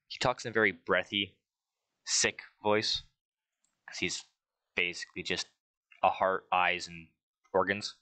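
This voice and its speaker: Deep-voiced, bright-toned casual man. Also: no room sound. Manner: rambling, with restarts and fillers, reads out settings. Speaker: tutorial creator. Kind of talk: casual spoken tutorial.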